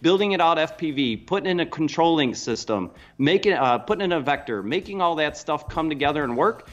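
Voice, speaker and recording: A man in his forties talks as a guest on a chat show, emphatic and excited, with lots of fillers. His voice sits fairly high. Faint music plays behind him. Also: brisk, lo-fi sound. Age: 40s. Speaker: guest, youth drone instructor. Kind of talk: casual chat.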